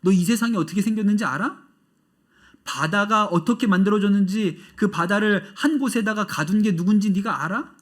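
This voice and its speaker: A man preaching acts out a stern male God rebuking a man with rapid rhetorical questions. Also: high voice.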